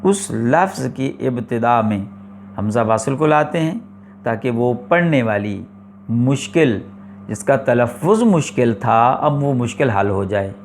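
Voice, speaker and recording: A man teaching the rules of Quran recitation in a classroom lecture, explaining slowly and deliberately, repeating his points and asking rhetorical questions. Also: medium pitch, lively intonation, a little hiss or hum. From Pakistan.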